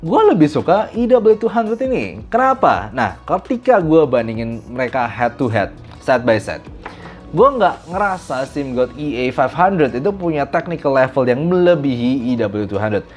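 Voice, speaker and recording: A man from Indonesia giving a casual, animated spoken review of audio gear, mixing in English phrases. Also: mid-range voice, normal speed, faint music behind.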